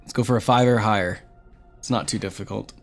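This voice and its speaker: A man's voice: on the low side, brisk, vocal fry, soft background music. A man running a tabletop game as game master, narrating scenes and calling for rolls.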